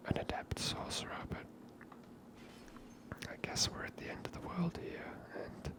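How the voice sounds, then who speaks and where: A woman whispers breathily in a hushed, casual, musing way as she hosts an ASMR video game playthrough. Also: measured pace. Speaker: host of a gameplay series. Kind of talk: ASMR gameplay commentary.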